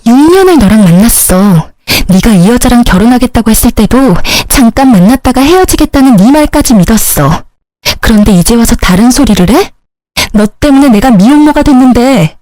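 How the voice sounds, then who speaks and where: A woman voicing a furious young mistress, a bitter single mother who shouts accusations. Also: a little high, animated, moderate pace, no room sound, close to an everyday voice.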